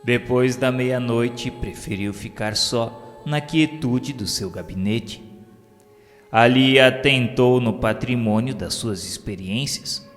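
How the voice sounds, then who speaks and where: A man with a Brazilian accent narrating a radio drama in a solemn, measured way. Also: mid-range voice. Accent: Brazilian Portuguese. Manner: slow, solemn, measured delivery. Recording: long reverb with faint music.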